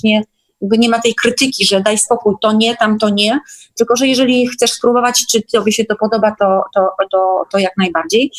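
Higher-pitched chatty woman. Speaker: guest. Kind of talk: casual storytelling in an online meeting.

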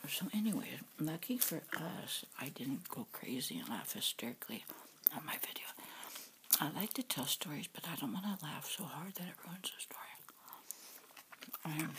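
A middle-aged woman telling a rambling story in a soft whisper while she eats between sentences. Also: low-pitched, sing-song, moderate pace, slight background noise. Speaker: vlogger.

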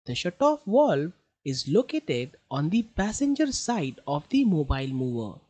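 A man reading a scripted e-learning narration as a voice-over artist, in an instructional manner with deliberate phrasing. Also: on the high side, big pitch swings, darkish tone.

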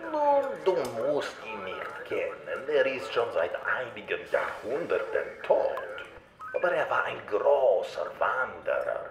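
A man's voice: wildly swooping pitch, roomy sound, noisy background. An actor playing a menacing, taunting museum watchman with a Russian accent and a mocking, playful manner in an audio drama. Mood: taunting, cryptic. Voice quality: gravelly, low. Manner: slow, mocking, teasing.

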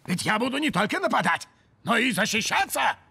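A man voicing a befuddled, cranky old grandfather in a cartoon, muttering and stammering excitably. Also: extremely high pitch, a little fast, creaky, husky, full character voice. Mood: cranky, earnest. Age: older. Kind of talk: animated cartoon acting.

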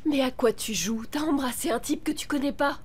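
A woman voices an anxious young manager who scolds the star she protects. Her voice is high and she sounds worried, with a faint hiss behind her. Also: brisk, close to an everyday voice. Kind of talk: French dub of a TV film.

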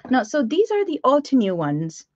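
A woman's voice: high-pitched, wildly swooping pitch, moderate pace, no room sound. Bubbly Pakistani-accented woman on a dry webcam. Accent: Pakistani English. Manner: bubbly, greets viewers, frequent laughs and fillers. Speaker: art teacher hosting a live stream. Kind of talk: chatty live-stream craft class. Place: home craft studio with shelves. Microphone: webcam at desk. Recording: dry, slightly dull webcam audio.

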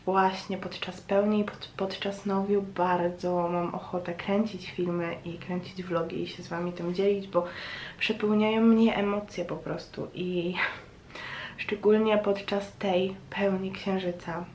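A woman records a casual personal vlog in a roomy, echoing space with faint noise behind her. Her delivery is slow and reflective. She pauses often as she searches for words. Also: mid-range voice, steady tone, darkish tone. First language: Polish. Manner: hesitant, pausing, reflective. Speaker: vlogger.

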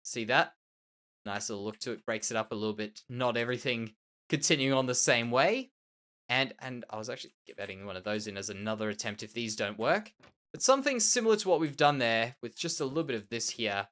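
Nasal Australian man, lively pitch. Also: fast talker. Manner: musing, self-correcting, repeats words. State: tender voice. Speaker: Minecraft let's play host. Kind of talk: casual gameplay commentary.

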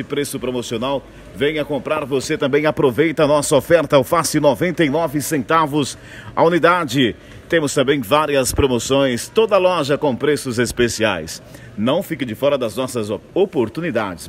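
Amid the clear bustle of a large supermarket, a man delivers a live hard-sell ad. His mid-range voice urges shoppers on, repeating key offers as an in-store announcer would. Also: mid-range voice. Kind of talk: live in-store advertising pitch. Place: large supermarket floor, indoors. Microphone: handheld microphone, phone video. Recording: clear store ambience noise.

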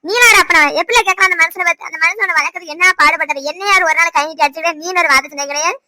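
A woman voicing a sharp-tongued village mother-in-law in a cartoon, scolding rapidly with a Tirunelveli Tamil accent. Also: high-pitched, fairly even intonation, dry recording. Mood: indignant. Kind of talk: cartoon voice acting.

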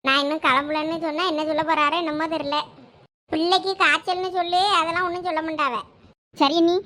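A woman's voice: very high-pitched, a bit bright. A young woman with a Thoothukudi Tamil accent, bickering through domestic dialogue in a village comedy skit. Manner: bickering, domestic back-and-forth.

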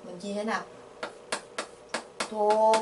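A woman's voice: mid-range voice, normal speed. A woman with a Vietnamese accent teaching Korean grammar, patiently repeating syllables and asking her students questions. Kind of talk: explaining grammar. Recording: echoey, from a distance, faint noise.

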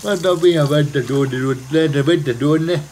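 A man's voice: on the high side, a little mellow, a little hiss or hum. A man vlogging at home late at night, rambling, swearing constantly and trailing off mid-thought. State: jittery, hyped up. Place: home, indoors.

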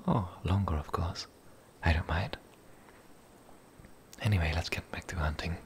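A man playing a lonely, gentle, shy young werewolf in a whispered ASMR roleplay, speaking breathily, softly and haltingly. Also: a little hiss or hum. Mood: sympathetic, tender. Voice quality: breathy whisper, low and creaky. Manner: hesitant, halting, soft-spoken.

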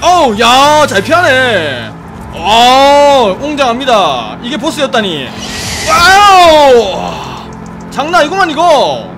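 A man giving playful, jokey commentary while playing a game, talking to the characters and bursting into loud excited exclamations, with game music behind him. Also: extremely high pitch, unhurried. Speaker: game streamer. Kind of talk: casual gameplay commentary.

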